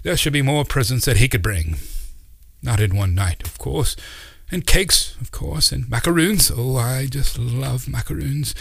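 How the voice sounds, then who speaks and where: An eccentric old uncle bubbling with whimsical excitement, as a man puts him on for a storybook. He rambles fussily, his raised voice leaping up and down. The tone is a little husky and the sound close and dry. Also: medium pitch, measured pace, no room sound, pitched above the performer's own voice, exaggerated voice. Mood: excited. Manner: fussy, rambling, theatrical.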